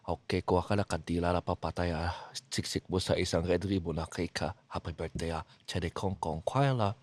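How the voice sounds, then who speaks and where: A man's voice: low voice, fairly quick, no room sound. A man putting on a clipped mock Chinese accent. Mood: teasing. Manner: clipped, tacks on "ah" at ends.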